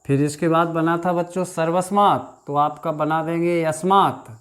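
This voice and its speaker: A man teaching a grammar lesson, reciting word forms in a slow chant and talking to his students as children. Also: on the high side, fairly even intonation, a bit bright. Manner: addresses students as children, frequent "thik".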